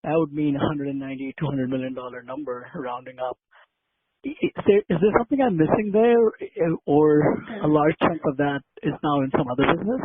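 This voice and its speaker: A man, a financial analyst, asking probing, halting clarification questions on an earnings call. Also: fairly high pitch, breathy edge. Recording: dry, narrow phone line.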